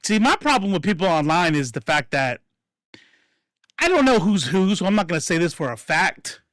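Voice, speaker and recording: A man telling stories in casual chat, profane and animated, acting out what people said. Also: high-pitched, moderate pace, no room sound, clean studio sound. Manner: profane, animated, acts out quotes.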